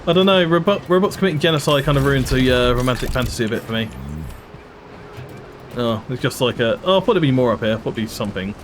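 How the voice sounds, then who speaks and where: A man's voice: medium pitch, animated, quick pace, a little hiss or hum. A man streaming a game, giving chatty, casual commentary with frequent laughs and asides. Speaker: let's play streamer. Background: game music.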